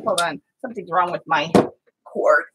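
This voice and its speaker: A middle-aged woman hosting a live watercolor painting stream, chatting with viewers between steps in a loud, halting way full of fillers. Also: lowish voice, very noisy. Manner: loud voice by her own account, halting with fillers and restarts. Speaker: watercolor livestream host.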